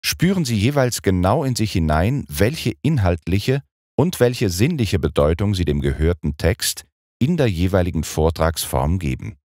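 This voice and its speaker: Middle-aged male audiobook narrator, low voice with a wide melodic range, dry close studio sound. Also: very animated, a little mellow, no room sound. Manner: clear, deliberate trained-singer delivery; precise, emphatic stress. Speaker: audiobook narrator and speech coach. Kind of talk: scripted audiobook lesson narration.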